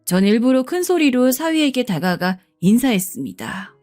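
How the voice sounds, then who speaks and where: A woman reading a first-person radio story in a steady scripted narration, over faint background music. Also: on the high side, moderate pace.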